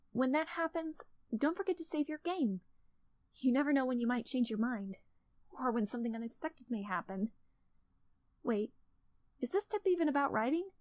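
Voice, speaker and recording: Casting: woman to play teenage girl club president for a visual novel, higher-pitched, earnest, gently instructive, close dry sound. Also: no echo. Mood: friendly, instructive, then amused, bubbly. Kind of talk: scripted character monologue of writing advice.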